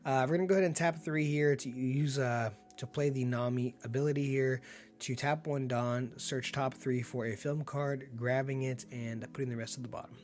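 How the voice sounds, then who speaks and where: A man getting over being sick, with a slightly hoarse voice, giving upbeat, laid-back play-by-play commentary on a card game and laughing often. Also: mid-range voice, steady tone, normal speed, darkish tone.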